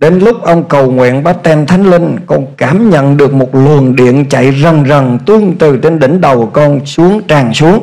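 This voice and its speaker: A man talks at a fairly slow pace with lively intonation against a quiet background. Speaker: pastor. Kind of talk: sermon. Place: church. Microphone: headset.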